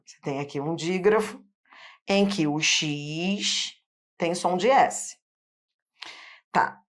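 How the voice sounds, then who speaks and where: Slow patient Carioca woman teacher. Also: fairly low pitch. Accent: Carioca Brazilian Portuguese. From Rio de Janeiro. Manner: slow, patient, explaining step by step with checks like "tá?". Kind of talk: online phonetics lesson at a board.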